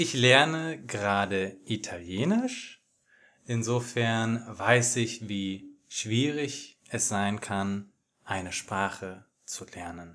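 Very slowly, a man speaks at medium pitch with ordinary pitch variation. His tone is bright and sharp. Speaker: German language teacher. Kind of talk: tutorial. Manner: clear enunciation.

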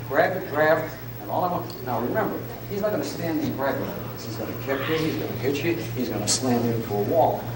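Over noticeable background noise, a man talks at a fairly quick pace. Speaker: martial arts instructor. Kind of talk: seminar demonstration. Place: hall. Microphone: old recording.

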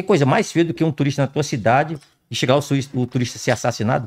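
A man rattles off his words very quickly against a quiet backdrop. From Ceará, Brazilian Northeast. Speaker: military serviceman; podcast guest. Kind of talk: casual chat. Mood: indignant about crime and politics. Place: studio. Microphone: studio mic.

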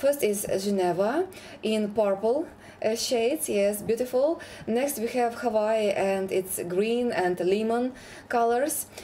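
A woman with a Ukrainian accent, a dark, mellow tone and fairly high pitch, with ordinary pitch variation, very even loudness and a very slow pace, over light background noise. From Ukraine. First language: Ukrainian or Russian. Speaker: crochet designer and teacher. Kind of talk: live-streamed crochet tutorial. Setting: live stream with chat. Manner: hesitant, many fillers. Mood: warm, friendly. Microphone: webcam.

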